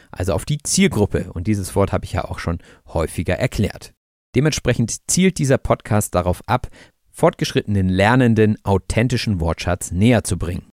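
A male podcast host explains words and phrases to learners in a calm, clear, explanatory way. His voice sits low, and the recording is dry and close. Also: no room sound. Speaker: podcast host and language teacher.

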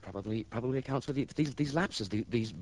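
A man's voice: mid-range voice, fast talker, a little mellow, lightly acted. An actor playing a nervous, stammering man in his thirties in a 1960s radio drama. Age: 30s. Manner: stammering, jittery, repeating words. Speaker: client's brother.

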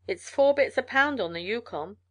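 In a storybook narration, a woman with a fairly bright, somewhat high voice and lively intonation speaks at normal speed. She voices a gossipy, amused frontier mail carrier, using folksy, colloquial talk in a matter-of-fact, folksy mood.

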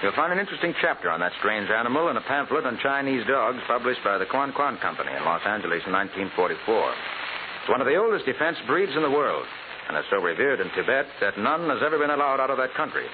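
An actor playing a confident private detective in 1940s radio style, explaining things precisely with an American accent. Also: male voice, mid-range voice, sing-song, quick pace, narrow, tinny audio, close to an everyday voice. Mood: assured, explanatory. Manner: precise, expository, authoritative. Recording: hissy, band-limited 1940s radio recording.

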